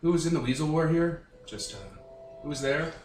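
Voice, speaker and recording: A man player with a baritone voice, casual and jokey at a tabletop game. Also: steady tone, fairly quick, darkish tone, roomy sound, far from the mic, slight background noise.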